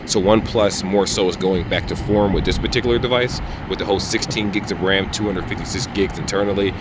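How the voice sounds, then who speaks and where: A man's voice: low-pitched, steady tone, fast talker. A man speaking casually and conversationally as an opinionated tech reviewer, recorded on an earbud microphone outdoors. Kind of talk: casual phone review to camera. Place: outdoors near traffic. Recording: outdoor street traffic, music in background.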